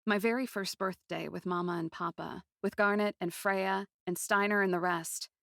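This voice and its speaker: Actress for passionate, wounded fantasy princess narrator in a fiction podcast. Medium pitch, intense delivery, very dry sound. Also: female voice, steady tone, moderate pace, vocal fry, a bit bright, dry recording. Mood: grieving. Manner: intense, emotive. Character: grieving, passionate young captive princess narrating her story. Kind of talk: dramatic first-person storytelling, fan-fiction podcast.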